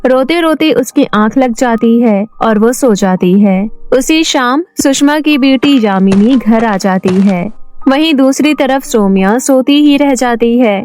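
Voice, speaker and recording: High-voiced woman storybook narrator. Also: a little slow, soft background music. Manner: steady storytelling.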